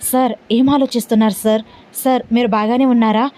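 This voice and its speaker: A woman's voice: fairly high pitch, steady tone, brisk, dark tone, lightly acted. A woman voicing a worried, caring young woman who pleads and keeps saying "sir" in a storybook tale. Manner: pleading, repeats "sir" often.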